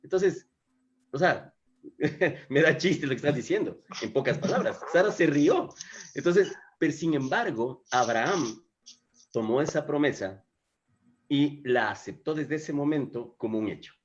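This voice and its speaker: A man's voice: on the high side, lively intonation, normal speed, lo-fi sound. A man hosting a live talk on faith, telling the story animatedly and often restarting his sentences. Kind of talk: casual spiritual conversation. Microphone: video call microphone.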